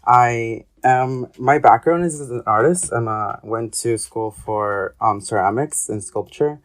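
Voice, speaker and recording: A man's voice: mid-range voice, unhurried. Rambling young man from Ecuador. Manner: hesitant, rambling, many fillers. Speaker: guest, artist and graduate student. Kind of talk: casual interview talk.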